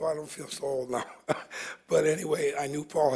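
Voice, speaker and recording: Noticeable background noise sits behind the voice. A man talks at a very fast pace and a fairly high pitch. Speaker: resident speaking at public comment. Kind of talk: public comment at meeting. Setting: public meeting at a microphone.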